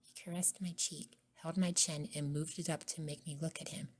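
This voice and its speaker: A woman narrating a scripted first-person ASMR story in a soft-spoken way. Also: deep voice, fairly even intonation, normal speed. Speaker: narrator and voice actor.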